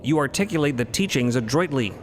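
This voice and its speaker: A man playing a calm, stern mentor of a religious order in audio fiction, speaking formally and precisely. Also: medium pitch, a little fast, in a large hall, a little hiss or hum, close to an everyday voice. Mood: calm, admonishing.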